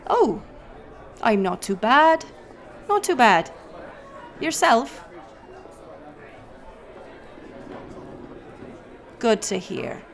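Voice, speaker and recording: A woman's voice: a little high, big pitch swings, slow pace, vocal fry, some chatter behind, heavily acted. A woman playing a bold, sly pirate captain in an audio roleplay, teasing and swaggering as she speaks to the listener. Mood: friendly, relaxed. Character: bold, sly female pirate captain, a notorious tavern storyteller.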